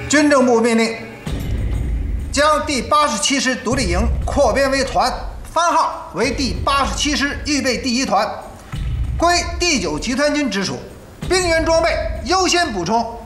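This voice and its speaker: A man's voice: very high-pitched, expressive, a little slow, a bit bright, full character voice. An actor playing a stern male army officer formally proclaiming orders in a war drama. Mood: formal, commanding. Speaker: military officer reading orders. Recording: echoing room, faint music.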